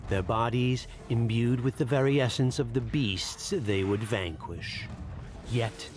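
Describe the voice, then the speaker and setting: A man narrating a dark fantasy game tale as a grave storyteller, in a solemn, dramatic, measured manner. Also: medium pitch, lightly acted.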